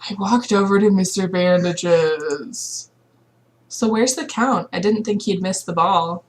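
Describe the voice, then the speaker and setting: A woman voicing a young heroine who narrates her romance story in a measured read-aloud of a visual novel. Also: mid-range voice, natural voice. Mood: observant.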